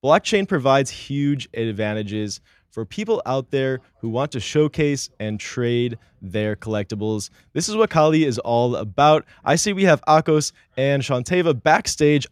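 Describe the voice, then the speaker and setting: A man's voice: medium pitch, lively intonation, unhurried, no room sound, studio quality. A man hosting a live-streamed interview show, upbeat, reading audience chat aloud with frequent fillers. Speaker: podcast host.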